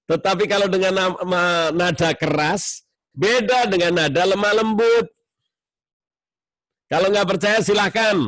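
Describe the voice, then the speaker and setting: A man giving a sermon to a mosque study circle, explaining with warmth and acting out tones of voice in his examples. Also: sits high, dry recording.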